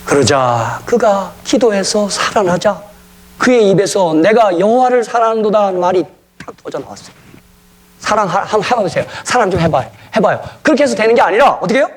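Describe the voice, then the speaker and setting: A man's voice: sits high, very animated, fairly quick, slightly rough. A man preaching a sermon as pastor in a church, telling stories animatedly and getting the congregation to repeat after him.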